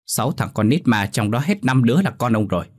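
A man voicing a sharp-tongued middle-aged village wife who scolds her husband with indignant scorn, in a spoken ghost story. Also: medium pitch, expressive, quick pace, lightly acted.

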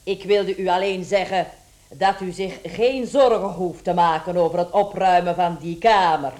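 A woman's voice: lowish voice, moderate pace, darkish tone, natural voice. An actress playing a fearless, chatty charwoman with a sly, cheeky manner in a radio drama. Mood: servile, cheeky. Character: brash, chuckling, fearless charwoman with a sly streak.

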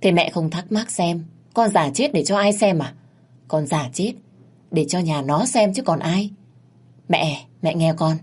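A woman narrator voicing a calm young daughter explaining her plan, in a husky low voice. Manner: explaining, persuading.

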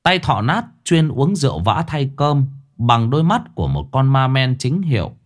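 A man telling a ghost story in a lively, earthy way. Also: mid-range voice, moderate pace.

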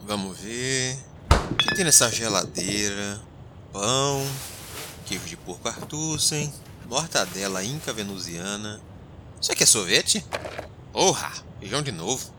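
A man's voice: fairly low pitch, expressive, a little slow, background noise. An actor playing a grumbling, indignant male spaceship captain in an audio drama. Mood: muttering, grumpy.

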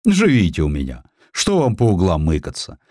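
A man's voice: deep voice, wildly swooping pitch, a little mellow, no echo, clean studio sound, exaggerated voice. A man voicing a busy, wheedling professor in an audiobook, flustered and pleading, full of self-pity. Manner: flustered, pleading, hurried self-pitying chatter. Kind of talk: audiobook character acting.

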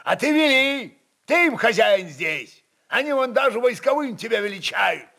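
A man's voice: very high-pitched, big pitch swings, normal speed, bright, forceful tone, pitched above the performer's own voice, exaggerated voice. A man voicing a stern, irritable noble governor in a dramatized reading, insistent and scolding as he demands obedience. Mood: nervous irritation.

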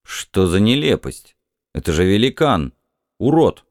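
A curt, irritable Martian husband, as a male narrator plays him, pitched a little low and dismissive. He snaps short, scornful replies in a dry, close audiobook read. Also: sing-song, unhurried, dry recording. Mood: irritated, scornful.

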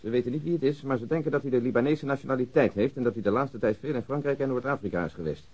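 An actor playing a polite, dry, methodical police detective with a businesslike manner in a radio drama. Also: male voice, mid-range voice, rapid-fire, a little mellow, husky, close to an everyday voice. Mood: brisk, businesslike. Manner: businesslike, unruffled. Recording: dull lo-fi old radio recording.

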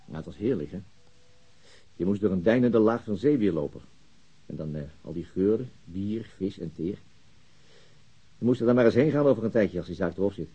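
Weary, husky police detective. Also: male voice, lowish voice, lively intonation, fairly quick, pauses often, dark tone, dull audio, exaggerated voice. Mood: musing, hesitant. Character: weary middle-aged city police detective, male, mildly gloomy. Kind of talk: naturalistic radio drama acting.

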